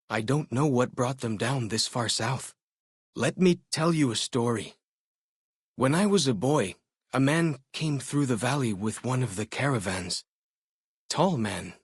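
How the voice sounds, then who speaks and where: Game role: young tribal scout, curious and sincere, measured storyteller delivery, husky edge, close dry sound. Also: male voice, mid-range voice, no echo. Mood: friendly, then wistful. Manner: plain-spoken, measured, storytelling in short phrases. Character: young tribal scout, earnest, curious, loyal to his war leader. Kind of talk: video game character dialogue.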